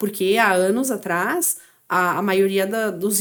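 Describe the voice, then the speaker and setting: At a fairly slow pace, a woman with a medium pitch talks in an ordinary speaking voice. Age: 30s. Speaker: physiotherapist. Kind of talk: casual chat.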